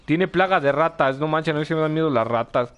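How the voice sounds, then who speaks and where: A young Mexican man riffs loosely over his gameplay, cracking jokes and answering viewers as he plays. His voice sits a little high for a man. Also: brisk, fairly bright tone, clear, resonant tone. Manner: joking, reads chat aloud, laughs often. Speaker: gameplay streamer. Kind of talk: casual live gameplay commentary.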